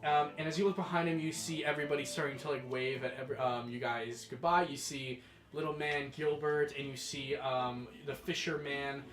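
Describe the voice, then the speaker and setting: A young man narrating as game master of a tabletop game, rambling with many fillers and quick bursts. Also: mid-range voice, fairly even intonation, fairly bright tone. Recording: echoey room with music behind.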